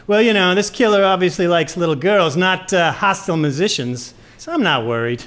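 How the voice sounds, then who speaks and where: A man's voice: sits high, brisk, fairly bright tone. A man playing a bitter, sarcastic jazz bandleader with a sneering, hostile manner in a live radio play. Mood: cagey, jaded. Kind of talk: live old-time radio play acting.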